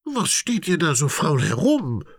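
A man's voice: fairly low pitch, wildly swooping pitch, takes it slowly, slightly rough, no echo, studio quality, pitched above the performer's own voice, heavily acted. A man voicing a kindly old female elephant in a children's storybook, cheerful and calling out.

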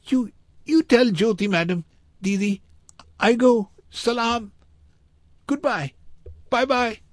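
A man voicing a desperate young Indian street boy in a storybook, speaking broken, halting English in short bursts with a thin, high voice. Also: no echo, studio quality. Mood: panicked, insistent.

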